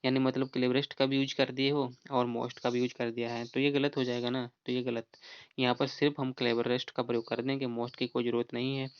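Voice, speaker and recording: Guy explaining grammar rules, even flat delivery, kinda muffled dry sound. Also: mid-range voice, smooth. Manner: explanatory, repeats "theek hai?" often, reads rules slowly. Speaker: teacher. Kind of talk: exam-prep grammar lesson.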